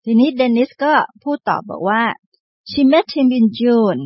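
A woman co-hosting an English lesson on a talk show, patiently explaining pronunciation and slowly modelling English phrases. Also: on the high side, expressive, slightly rough, no echo, dull audio. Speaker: English teacher co-host. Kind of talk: radio English lesson chat.

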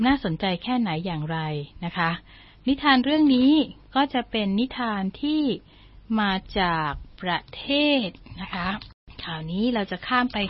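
Slow, polite woman teaching through stories. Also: mid-range voice, dry recording, highs cut off. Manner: slow, deliberate, translating each English line into Thai; polite, with frequent polite particles. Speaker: English teacher telling bilingual stories. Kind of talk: bilingual storytelling lesson.

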